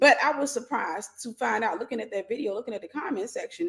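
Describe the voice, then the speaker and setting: With a Mississippi accent, a woman speaks at a very fast pace, her fairly high pitch carrying lively intonation. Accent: Southern US (Mississippi). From Mississippi, US South. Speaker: live-stream guest. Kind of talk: casual chat.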